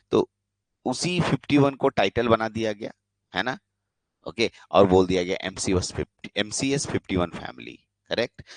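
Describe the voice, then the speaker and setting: A young man with a very low voice leads a live online polytechnic class, speaking Hindi with a Bihari accent. He slips English technical terms into his explanations and keeps asking his students whether they follow. The sound is dry and close, with no room around it. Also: dry recording. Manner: explains in Hindi mixed with English, checks in with frequent questions. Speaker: polytechnic teacher.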